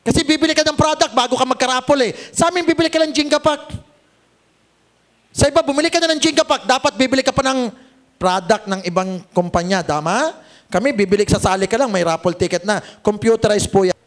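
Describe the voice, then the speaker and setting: A man presenting a networking business plan to a live audience, cracking jokes and teasing listeners with quick questions. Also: very high-pitched. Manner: joking, teasing the audience, asks "Tama?" often. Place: seminar room with audience.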